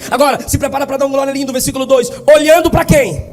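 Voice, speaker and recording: High-voiced pastor shouting his sermon. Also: fairly even intonation, fast talker, soft background music. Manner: preaching with sudden loud shouted climaxes and acted dialogues.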